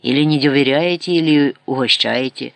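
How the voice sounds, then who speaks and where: A man's voice: mid-range voice, a little fast, creaky, no echo, lightly acted. A man reading an audiobook, voicing a shifty, falsely polite older black-market dealer with a Moscow Russian accent. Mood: indignant. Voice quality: fawning, falsely polite, mixes broken Ukrainian with Russian. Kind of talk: audiobook character voice.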